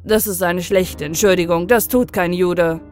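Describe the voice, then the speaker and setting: A woman's voice: lowish voice, steady tone, normal speed, a little mellow, faint music behind, pitched below the performer's own voice, close to an everyday voice. A woman voicing a stern male town judge in an audiobook fairy tale, curt in his questions and verdicts.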